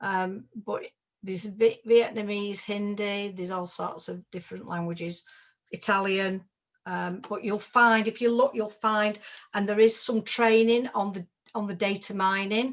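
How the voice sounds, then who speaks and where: Speaking with a northern English accent, a woman keeps a moderate pace and fairly even intonation while her loudness swings widely. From northern England, Salford, Manchester. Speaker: webinar presenter. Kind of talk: training webinar. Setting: live online webinar.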